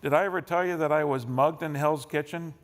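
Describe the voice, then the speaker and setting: Long reverb from an echoey hall surrounds an American interview host as he introduces his guest, unscripted but semi-formal. His slightly high voice stays steady in tone and moves fairly quickly.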